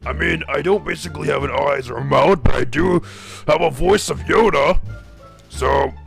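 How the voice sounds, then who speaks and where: A man voicing a cheerful talking broom that works as a janitor, in a gravelly Yoda-like voice and a sing-song manner. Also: a little high, moderate pace, faint music behind. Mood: chatty. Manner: sing-song, repeats "sweep". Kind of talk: amateur animation voice acting.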